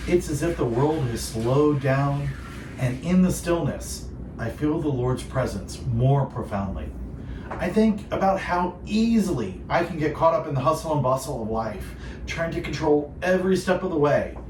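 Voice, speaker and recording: A man's voice: a little high, animated, normal speed. Distant, echoey man hosting Christian radio. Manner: earnest, reflective, polished phrasing. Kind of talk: devotional radio talk with co-host. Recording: roomy echo, distant, clearly noisy.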